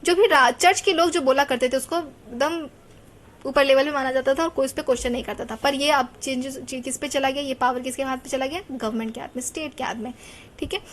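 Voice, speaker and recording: A woman's voice: sits high, fairly quick. A young woman teacher giving a casual lecture, chatty, mixing English terms into her talk and asking rhetorical questions.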